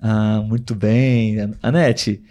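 Man, podcast host, mellow tone, patient, clear, slowed for learners, video call. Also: on the low side, fairly even intonation. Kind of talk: live video-call chat with listeners.

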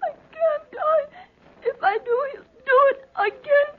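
A woman's voice: very high voice, unhurried. An American actress playing a frightened, pleading woman in mortal peril in 1940s radio drama style. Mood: weeping, desperate. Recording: noisy, muffled 1940s radio recording.

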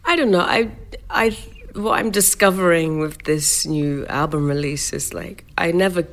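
A woman's voice: on the low side, normal speed. A woman singer being interviewed, talking casually and rambling with lots of "like" and "um".

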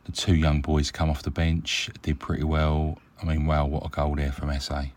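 A man's voice: a bass voice, normal speed. A man leaving a casual, rambling voice message as a caller to a fan show. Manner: relaxed, chatty, hesitant with many ums. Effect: recorded voice message.

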